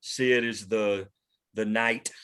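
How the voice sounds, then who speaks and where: A man's voice: lowish voice, steady tone, slow, a bit bright, clear, resonant tone. A man chatting casually as he leads an informal group meeting after a script read-through. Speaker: show co-creator leading a table read meeting. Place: online video call.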